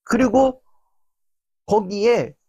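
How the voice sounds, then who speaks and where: A man's voice: high voice, very slow, slightly rough, no echo. A young man giving a casual lecture, talking animatedly and acting out people's reactions. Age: young adult. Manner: animated, acts out quoted reactions.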